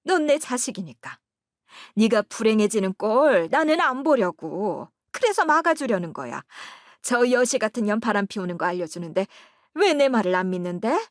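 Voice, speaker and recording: A woman voicing a spiteful older mother-in-law who scolds loudly and accuses. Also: big pitch swings, normal speed, no room sound, studio quality. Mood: bitter scolding. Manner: shrill, accusing, loud scolding.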